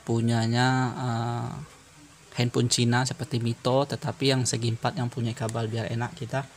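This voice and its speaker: A man explains a hands-on task step by step in an informal tutorial style. His delivery is halting and very even in pitch, with a gravelly creak. Clear ambient noise runs through the home-made recording. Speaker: phone repair tutorial presenter.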